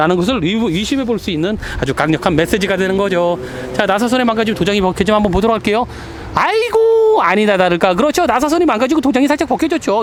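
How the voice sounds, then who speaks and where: A man's high-pitched voice at a very fast pace, with lively intonation and noticeable background noise. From South Korea. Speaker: used car exporter. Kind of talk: car inspection walkaround. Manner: pronunciation slips and repeats when hungry; casual, filler-heavy.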